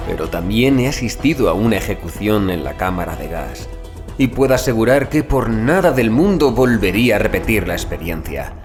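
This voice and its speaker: Low-voiced man narrating horror over music. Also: sing-song, normal speed. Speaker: audiobook narrator. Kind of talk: dramatic scripted horror narration in the first person.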